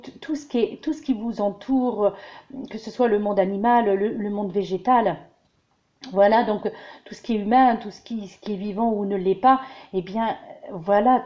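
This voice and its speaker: Halting woman reading tarot, mellow lo-fi. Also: medium pitch. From France. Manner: hesitant, many fillers and repeated restarts; addresses listeners warmly as dear friends. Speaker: tarot reader giving weekly guidance. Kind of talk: casual spiritual monologue to viewers.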